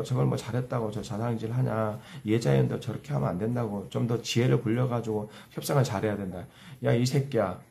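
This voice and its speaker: A man's voice: medium pitch, creaky, a little mellow. A man delivering angry ranting commentary as a YouTube commentator, heated and insulting. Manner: heated, insulting, repeats cursing phrases.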